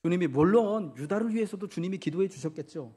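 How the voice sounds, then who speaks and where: A man's voice: sits high, expressive, fast, dark tone, slightly rough. A man preaching a Sunday sermon as pastor, asking the congregation questions and acting out quotes.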